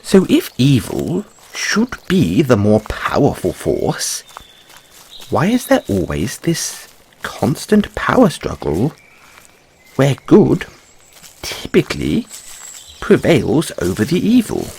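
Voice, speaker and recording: A man's voice: medium pitch, huge pitch swings, takes it slowly, vocal fry, a little mellow, a little hiss or hum, heavily acted. A man voicing a curious, fussy white rabbit boy in a fantasy audio roleplay, musing theatrically with quaint, questioning phrasing. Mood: pondering, theatrical.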